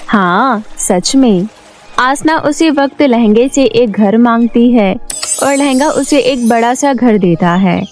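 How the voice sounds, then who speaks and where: Woman narrator, high voice, scripted storybook telling, music bed. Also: a little slow, a little mellow.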